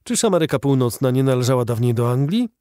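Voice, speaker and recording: A man's voice: mid-range voice, sing-song, fast talker, mellow, clean tone, no echo, clean studio sound, close to an everyday voice. A man reading the lines of an indignant old male artillery veteran in a fervent, declamatory audiobook voice.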